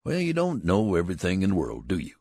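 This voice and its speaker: A man voicing a loud, stubborn young private who speaks with scorn. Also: sits low, wildly swooping pitch, fast, no echo, studio quality, voice pushed up, heavily acted. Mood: scornful.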